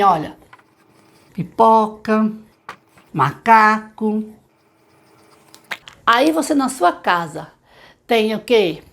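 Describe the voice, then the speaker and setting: A Brazilian literacy teacher with a Brazilian Portuguese accent and a slightly high voice gives a tutorial to parents. She offers warm, direct advice to mothers and demonstrates slowly, syllable by syllable.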